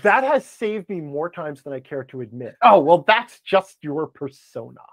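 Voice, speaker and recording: An American man chatting casually as a podcast guest, rambling and self-deprecating, with an animated, ranting way of talking. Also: on the high side, normal speed, no echo. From Wisconsin, United States. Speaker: podcast guest, blogger and game designer. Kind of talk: casual interview chat.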